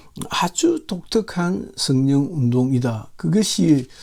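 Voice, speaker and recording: The man talks very slowly, his intonation lively throughout. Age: 60s. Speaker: pastor. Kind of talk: sermon.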